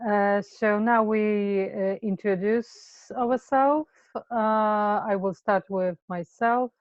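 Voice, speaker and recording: A woman's voice: mid-range voice, fairly even intonation, slow, no echo, dull audio. A woman with a Polish accent leading an online group call, speaking hesitantly with many fillers. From Poland. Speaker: facilitator. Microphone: video call.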